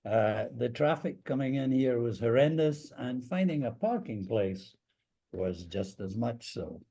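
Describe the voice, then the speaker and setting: An older Scottish man speaks publicly in a husky, creaky voice with a dark, relaxed tone. He takes his time and has a dry, wry way of addressing the meeting. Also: medium pitch, a little slow. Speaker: district governor, guest speaker. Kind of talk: public speech to a club meeting.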